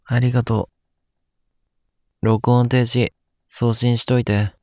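Male actor as a groggy young guy, slow-paced, heavy vocal fry, gentle grumbler, audio drama. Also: mid-range voice, flat delivery, no echo, clean studio sound. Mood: soft, affectionate. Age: young adult. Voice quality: drowsy, gravelly. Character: sleepy, grumpy but gentle young man living on the moon. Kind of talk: Japanese audio drama acting.

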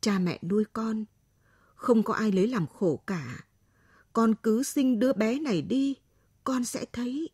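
A woman reading a story aloud, voicing a gentle aging father who talks slowly and tenderly. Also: high voice, lively intonation, husky, no echo, studio quality, exaggerated voice. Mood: gentle pleading.

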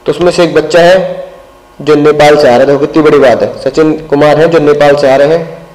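A male commerce teacher lectures in a lively way, acting out little scenes as he explains. His voice sits slightly high, and he keeps checking in with short tag words. The teaching room gives off a clear echo. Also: fairly quick. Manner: animated, constant tag words, acts out scenes. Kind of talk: classroom lecture. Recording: echoey room.

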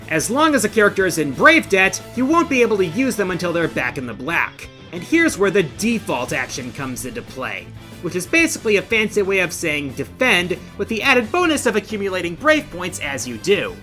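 A man's voice: sits high, pushed and bright. A middle-aged man hosting a countdown in scripted video essay narration, with an emphatic, theatrical delivery. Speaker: video game countdown host.

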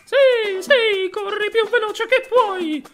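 A woman's voice: very high voice, slow pace, music in the background. A woman voicing a cheeky, boastful little gingerbread man in a cartoon, with sing-song taunts. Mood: taunting. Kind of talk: animated cartoon voice acting.

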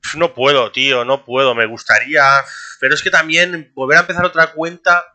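A young man, streaming a game and talking to his chat in a casual, excitable way, laughing often. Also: fairly high pitch, brisk. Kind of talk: casual gameplay commentary.

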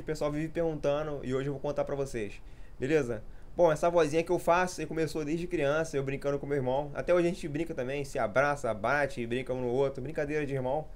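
A man in his thirties chatting casually in a vlog, rambling and losing his train of thought, poking fun at himself. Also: a little high. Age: 30s. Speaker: gaming youtuber.

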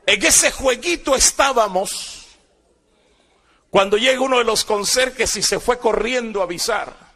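A man's voice: very high-pitched, unhurried, pushed and bright, slightly rough. A man in his sixties with a Guatemalan accent, giving a personal testimony as a dramatic storyteller who acts out the voices of people in his past. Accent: Guatemalan Spanish. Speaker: former guerrilla giving testimony.

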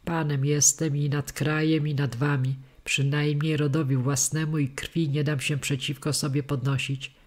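A man's voice: fairly high pitch, flat delivery, moderate pace, hardly any pauses, lightly acted. A man voicing a proud, demanding young male noble heir in an audiobook. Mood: haughty. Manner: haughty, demanding.

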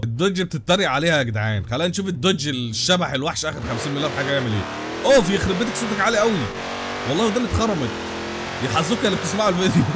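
Fast-talking Egyptian man with a cold. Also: fairly high pitch, noisy background. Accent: Egyptian Arabic. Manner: animated, loud exclamations and religious interjections. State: has a cold. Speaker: gaming channel host. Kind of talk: excited let's-play commentary.

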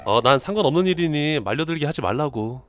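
A cranky young male homeowner from a horror game, voiced by a streamer reading along. He snaps and mocks with sarcasm, in a slightly high voice that jumps around. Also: lively intonation, quick pace, fairly bright tone. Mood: annoyed.

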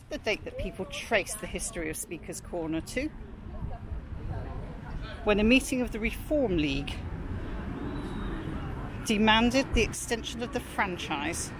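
A woman narrates a walking tour of a city park in a chatty, informal way, reading out prices and history as she goes. Her medium-pitched voice is very animated but unhurried, with frequent pauses. She's recorded on a camera mic outdoors, with street noise and traffic around her.

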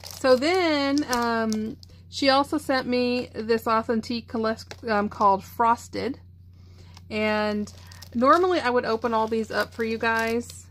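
A middle-aged woman chats through a casual craft vlog. She sounds tired but gushes with enthusiasm. A faint noise sits under her voice. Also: a little high. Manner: chatty, enthusiastic, gushing. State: tired, yawning. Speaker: craft channel host. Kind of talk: casual show-and-tell vlog.

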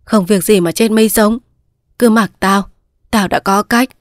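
An old village mother with a sharp tongue, scolding bluntly and holding her ground, read by a woman narrator. The voice is dry and close, with no room around it. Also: mid-range voice, steady tone, a little slow, no room sound, natural voice. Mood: stubborn.

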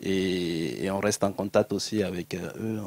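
A man's voice: low-pitched, steady tone, moderate pace, darkish tone. A man in his thirties speaking as a panelist into a handheld mic, hesitant, full of fillers, often trailing off. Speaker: panelist, film fund organizer. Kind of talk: panel discussion. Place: indoor stage at a public panel.

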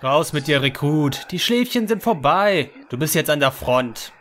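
A gruff, scornful soldier at the wheel of a war transport, acted by a man for an audio drama. He talks curtly and mockingly, with faint noise behind him. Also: fairly high pitch, animated, a little slow, a bit bright. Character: grim, curt male army transport driver at the front.

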